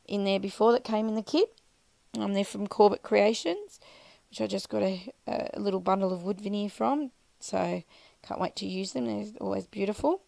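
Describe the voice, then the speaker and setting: A woman with an Australian accent and a croaky, scratchy voice from being sick, chatting casually as she narrates her crafting. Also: medium pitch, mellow, no echo. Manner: chatty, rambling, self-deprecating, many fillers. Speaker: scrapbooking vlogger.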